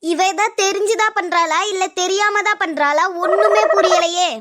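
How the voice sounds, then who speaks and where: A woman's voice: very high-pitched, normal speed, very noisy. A woman voicing a scolding, fed-up mother-in-law in a cartoon, nagging and wailing at her daughter-in-law. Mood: exasperated. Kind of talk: cartoon voice acting.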